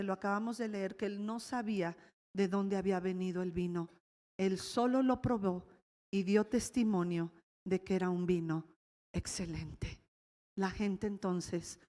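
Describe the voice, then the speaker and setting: A woman pastor with a Mexican accent preaching a sermon, lively, with laughing asides and sudden exclamations. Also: medium pitch. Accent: Mexican Spanish. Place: church hall. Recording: long hall reverb.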